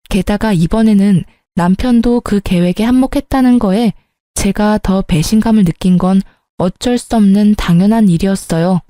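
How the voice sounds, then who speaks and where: A woman narrates a first-person story in a calm, steady voice with a mellow, dark tone. She is recorded dry and close on a studio mic. Her reading is even and controlled, like scripted radio narration. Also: medium pitch, no echo.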